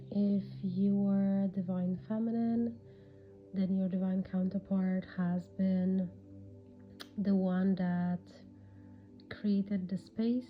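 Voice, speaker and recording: A woman with a cold and a raspy, hushed voice, giving unscripted spiritual guidance hesitantly, with long pauses. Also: mid-range voice. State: has a cold, irritated throat. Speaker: spiritual podcast host. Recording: dull lo-fi audio with background music. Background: music.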